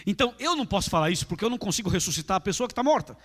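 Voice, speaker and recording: A man's voice: high voice, very animated, racing, fairly bright tone. A Brazilian man preaching a sermon as pastor, emphatic and repetitive, speaking straight to his congregation in a large church. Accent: Brazilian Portuguese. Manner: emphatic, repetitive preaching, addresses listeners directly. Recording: echoey church hall.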